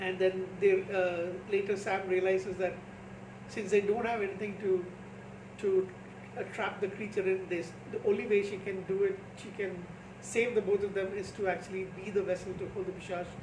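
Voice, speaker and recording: There is noticeable background noise and audible room echo. A man with a high pitch speaks at a moderate pace in a monotone, flat intonation. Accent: Keralan. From India (Kerala). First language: Malayalam. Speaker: movie reviewer. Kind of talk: casual movie review. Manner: hesitant, many fillers.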